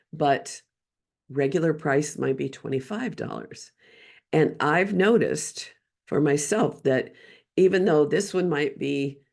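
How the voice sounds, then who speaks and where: A woman's voice: sits low, a little mellow. A woman hosting a casual solo podcast with a scratchy voice, rambling and losing her train of thought. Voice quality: gravelly. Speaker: podcast host and business coach.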